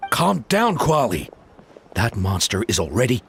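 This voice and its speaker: A man's voice: mid-range voice, huge pitch swings, a little slow, gravelly, heavy background noise, exaggerated voice. A man voicing a grave, caring tribal leader in a video game, telling things as dramatic storytelling. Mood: calming.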